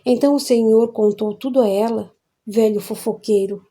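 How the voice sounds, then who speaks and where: A woman's voice: fairly high pitch, steady tone, moderate pace, dark tone, natural voice. A woman voicing an angry, sarcastic son. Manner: harsh and ironic. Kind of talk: audiobook reading.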